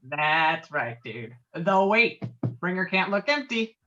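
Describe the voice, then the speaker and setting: A woman playing a brash, bossy, hot-headed man in a script table read, forceful and emphatic. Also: on the low side, big pitch swings, slow, muffled recording, faint music behind, heavily acted. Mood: smug, insistent. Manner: forceful, emphatic, repeating himself.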